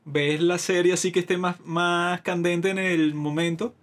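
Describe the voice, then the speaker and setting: A man's voice: high-pitched, little pitch movement, a little slow. A man with a Venezuelan accent chatting casually as a podcast co-host, talkative, slangy and opinionated. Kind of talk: casual chat.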